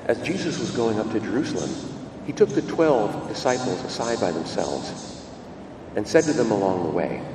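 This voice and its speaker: Priest preaching in cathedral echo. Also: male voice, lowish voice, moderate pace. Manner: lively preaching, leaning hard on key words. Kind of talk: gospel reading and homily at Mass. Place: large church. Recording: long church reverb, distant mic, room noise.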